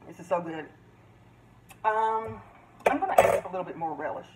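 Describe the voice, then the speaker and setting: A woman's voice: fairly low pitch, background noise. A woman hosting a casual cook-along in her home kitchen, chatting to viewers as she mixes. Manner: chatty, addresses viewers as guys. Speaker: cooking channel host. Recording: distant voice with loud clattering dishes.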